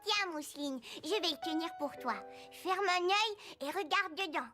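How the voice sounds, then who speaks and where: An actor voicing an excitable, curious four-year-old boy in a children's cartoon, with an eager, childlike way of exclaiming. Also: very high voice, moderate pace, music in the background.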